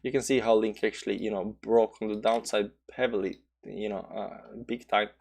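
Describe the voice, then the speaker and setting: With a lowish, gravelly voice that's a little mellow, this man keeps a steady tone at a moderate pace. He has a Balkan accent and streams crypto charts, giving rambling, casual live commentary full of fillers and restarts, and he reads the chat out loud to answer it.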